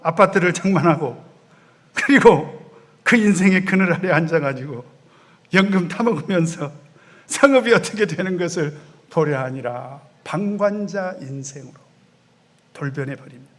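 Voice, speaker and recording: Animated high-voiced male preacher. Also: moderate pace. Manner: animated preaching, acting out quoted voices, swinging loud and soft. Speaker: pastor. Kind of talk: sermon.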